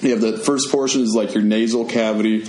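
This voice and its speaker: A young man co-hosting a podcast, explaining in a relaxed way with many fillers. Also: on the low side, fast talker. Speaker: podcast host. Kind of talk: casual chat and explaining. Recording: echoey room with faint music.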